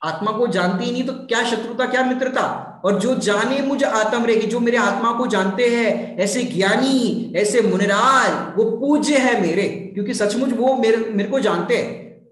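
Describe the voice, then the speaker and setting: A man's voice: extremely high pitch, moderate pace, a bit bright. A man giving a religious discourse, explaining with homely examples and rhetorical questions. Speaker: spiritual teacher. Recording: echoey hall.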